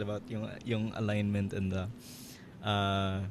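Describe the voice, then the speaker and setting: A man speaks at a fairly slow pace. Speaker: event host, voice actor. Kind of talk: closing remarks at online talk event. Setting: online event from home balcony. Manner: halting, many fillers.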